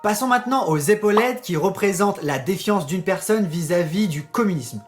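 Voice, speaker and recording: A man's voice: high voice, lively intonation, normal speed, soft background music. Chatty French-speaking man hosting a vlog. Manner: chatty, addresses viewers directly, joking asides. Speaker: tattoo YouTuber. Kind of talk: casual explainer vlog.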